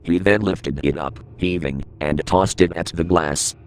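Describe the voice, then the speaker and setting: This is a man with an extremely deep voice narrating a creepypasta horror tale at an unhurried pace. He never breaks from his serious, steady tone, and the dark happenings come across plainly.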